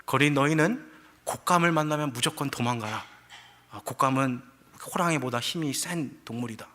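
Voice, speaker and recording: A proud old tiger from a folktale, speaking gravely as the elder of his family, as a man puts him on. The voice is bright and earnest, with a storyteller's solemn weight. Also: mid-range voice, fairly quick, slight background noise, close to an everyday voice.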